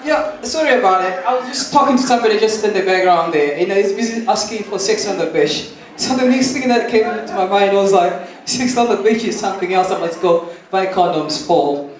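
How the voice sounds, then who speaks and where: A man's voice: sits high, lively intonation. Young man from Malawi, stand-up set, echoey room, distant mic, crowd chatter. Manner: rambling, halting delivery with frequent laughs. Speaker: stand-up comedian. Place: live comedy venue with audience.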